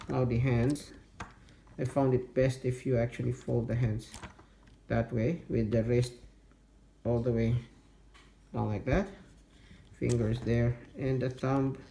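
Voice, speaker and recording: Male toy reviewer, slow and gravelly, step-by-step demo; echoey, noisy room. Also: medium pitch, flat delivery, mellow. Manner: slow, step-by-step instructional talk, muttering to himself. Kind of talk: hands-on toy transformation demo. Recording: echoey room with background noise.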